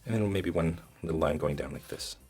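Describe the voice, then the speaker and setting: Very deep, husky man teaching drawing. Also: brisk, a little mellow, soft background music. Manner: informal, thinking aloud while demonstrating. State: hoarse, losing his voice. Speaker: drawing tutorial host. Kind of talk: casual step-by-step drawing instruction.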